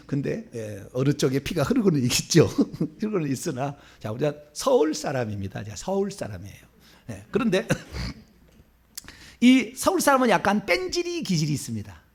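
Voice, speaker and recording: A man's voice: fairly high pitch, wildly swooping pitch, moderate pace, vocal fry, husky. A man in his fifties from Seoul, a pastor preaching a sermon in church, asking the congregation rhetorical questions and chuckling in asides. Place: church sanctuary.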